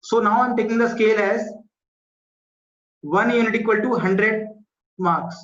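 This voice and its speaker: A man with a South Asian accent and a high, fairly bright voice teaches an online school maths class a little slowly. He explains each step, repeats himself, and checks students' understanding with quick questions. Captured in an indoor room during an online video class, the sound is muffled and echoey.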